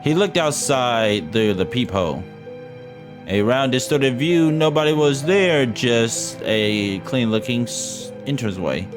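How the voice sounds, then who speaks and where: At medium pitch and a little slow, with lively intonation, a man reads a visual novel's ghost story on stream. The delivery is dramatic but interrupted by casual profanity and stumbles over the text, while loud game music plays behind.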